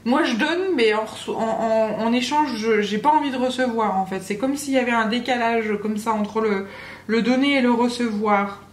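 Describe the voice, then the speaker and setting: In an echoey room with a faint background hum, a woman of fairly high pitch talks at normal speed. She offers the viewer a channeled tarot reading as casual spoken guidance, hesitant and peppered with fillers and restarts.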